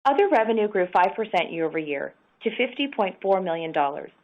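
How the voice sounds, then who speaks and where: An American woman reading scripted financial results in a formal, measured way as a corporate executive on a conference call. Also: medium pitch, big pitch swings. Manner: formal, measured business delivery. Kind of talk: scripted earnings call presentation. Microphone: conference call line. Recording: dull, band-limited conference call audio.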